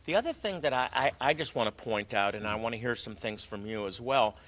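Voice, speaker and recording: A male host in a religious teaching conversation, talking slowly and often stopping to repeat words while he searches for terms. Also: mid-range voice, lively intonation, a bit bright.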